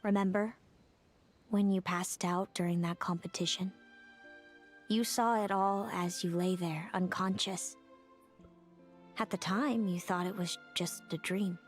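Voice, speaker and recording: A woman voicing a calm, knowing mysterious figure in a video game, speaking slowly and philosophically. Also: lowish voice, natural voice. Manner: slow, measured, philosophical. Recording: game audio with faint music.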